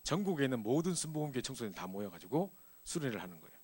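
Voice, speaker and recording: A middle-aged man preaching to a church youth group, telling a personal story in a lively, animated way. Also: medium pitch, rapid-fire, slightly rough. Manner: animated storytelling, acts out scenes. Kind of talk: sermon with personal testimony.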